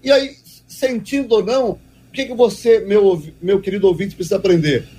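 High, husky-voiced man preaching emphatically. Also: fairly even intonation, fairly quick, dark tone. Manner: emphatic, repeats key phrases. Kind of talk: devotional teaching talk.

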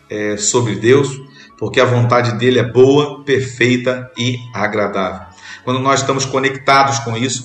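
A man from Brazil preaching a sermon as a bishop, earnest, repeating phrases for emphasis and pausing between them. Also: mid-range voice, a bit bright, roomy sound.

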